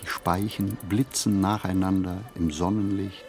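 An actor playing a reflective writer in a literary radio play, speaking his monologue in measured, deliberate phrases. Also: low-pitched, little pitch movement, a little mellow, faint music behind. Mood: observant. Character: reflective male writer musing on writing and society. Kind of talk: literary radio play monologue, scripted first-person narration.

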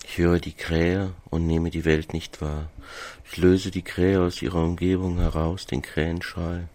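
A man's voice: low-pitched, level tone, a little slow, darkish tone. A man giving a reflective personal monologue for radio, musing in short phrases.

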